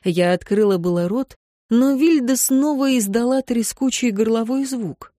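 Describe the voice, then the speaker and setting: A woman narrating a novel in the first person in a calm, measured, soft manner. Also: a little high, no echo, clean studio sound. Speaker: audiobook narrator. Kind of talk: first-person book reading.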